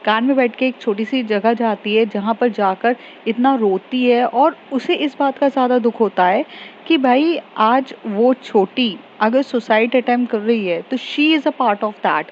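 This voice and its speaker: A woman retells a love story in a casual, chatty way, full of fillers and mixing English into her Hindi. Her voice sits slightly high. The recording is a bit dull, with a faint hiss behind. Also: measured pace, darkish tone.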